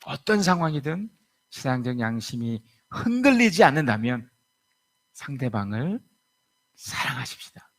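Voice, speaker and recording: Gravelly man preaching. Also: mid-range voice, normal speed. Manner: lively storytelling, acting out quoted voices. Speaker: pastor. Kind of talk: sermon. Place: church sanctuary.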